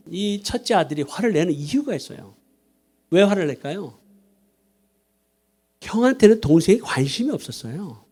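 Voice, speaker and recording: A middle-aged man preaching a sermon, telling a family story with lively acted-out dialogue. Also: high-pitched. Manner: storytelling with animated quoted dialogue. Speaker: pastor.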